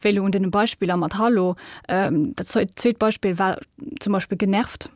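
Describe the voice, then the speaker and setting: A young woman with a Luxembourgish accent, a linguist guest explaining her research in a radio studio, measured and full of fillers. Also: medium pitch, steady tone, no echo.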